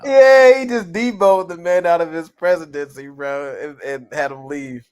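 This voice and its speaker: Animated, profane American man. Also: a little high, normal speed, smooth, highs cut off. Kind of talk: casual chat.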